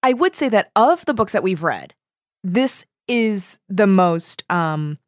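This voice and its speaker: A woman co-hosting a book discussion show talks about books casually and slangily, constantly using "like" and acting out reactions. Her mid-range voice is expressive and slow, captured dry and clean in a studio.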